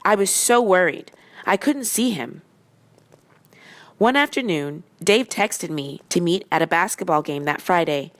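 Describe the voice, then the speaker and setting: A woman's voice: fairly low pitch, expressive, unhurried. A woman narrating a first-person story in a casual, confessional manner.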